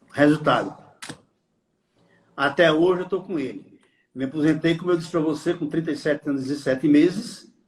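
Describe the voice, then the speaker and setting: This man speaks at a moderate pace with a fairly high pitch, fairly even intonation and long, frequent pauses. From Northeast Brazil, Pernambuco (Recife). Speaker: retired teacher and college academic director. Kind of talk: interview storytelling. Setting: live stream interview.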